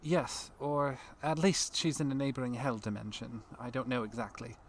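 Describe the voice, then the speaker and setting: A man's voice: mid-range voice, fairly even intonation, moderate pace, close to an everyday voice. A man playing a terse, matter-of-fact rescuer with an axe in an audio drama, dry and businesslike.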